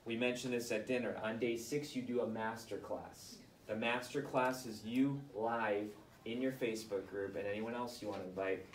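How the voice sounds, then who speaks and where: A man coaching aspiring authors in front of a live audience, firing off quick advice and rhetorical questions. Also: lowish voice, slight background noise. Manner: energetic, rapid-fire advice with rhetorical questions. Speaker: book coach. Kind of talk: live group coaching session. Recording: roomy, distant mic, faint ambience.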